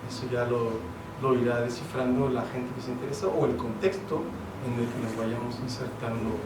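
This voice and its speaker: A man's voice: medium pitch, moderate pace. Mexican man, distant roomy talk. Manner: relaxed and conversational, with frequent fillers and slang. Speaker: playwright. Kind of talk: casual storytelling talk at a public event. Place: event hall. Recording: roomy, distant mic with noisy ambience.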